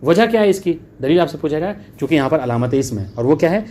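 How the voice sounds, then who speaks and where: A male religious teacher giving a classroom lecture on Arabic grammar. He reads the text slowly, then explains it in quick asides and keeps asking whether it is clear. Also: on the high side, expressive, a little mellow. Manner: keeps checking understanding with "clear?" and "okay". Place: classroom with a student present.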